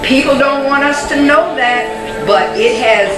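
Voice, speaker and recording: A woman's voice: high voice, measured pace, roomy sound, music in the background. A woman giving an emphatic talk to a group, explaining with conviction. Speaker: speaker on history. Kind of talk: lecture to a group.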